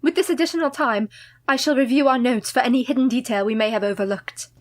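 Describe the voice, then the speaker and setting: An actress playing a grave, resolute young wife in a radio play, formal and earnest. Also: female voice, a little high, quick pace, natural voice. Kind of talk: community radio play acting.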